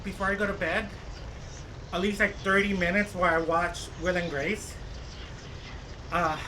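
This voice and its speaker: A high-voiced American man in his late thirties streams while cycling and gaming, chatting casually with viewers. His talk rambles and halts, packed with fillers, and there is background noise.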